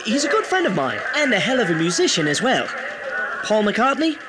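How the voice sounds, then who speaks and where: A man acts out a friendly, excitable lad in a radio play. The voice is high and leaps around, with loud background noise. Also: fairly quick. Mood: enthusiastic. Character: chummy, excitable teenage lad making introductions. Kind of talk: old-time radio drama.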